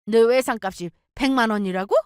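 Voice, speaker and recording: A woman voicing a bossy older mother-in-law who scolds and shouts indignantly. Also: fairly high pitch, brisk, smooth, no room sound, clean studio sound, natural voice. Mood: angry scolding.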